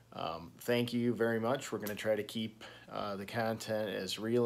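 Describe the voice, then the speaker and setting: A man speaks quietly at a medium pitch. His intonation is fairly even. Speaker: car YouTuber and amateur racer. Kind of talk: casual vlog talk to camera. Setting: hotel room. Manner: hesitant, many fillers.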